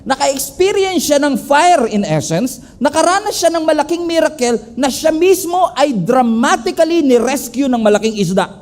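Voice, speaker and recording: A male pastor with a Filipino accent delivers a lively sermon in a fairly high voice. He moves freely between English and Tagalog and acts out the characters in his story as he preaches. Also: normal speed, few pauses.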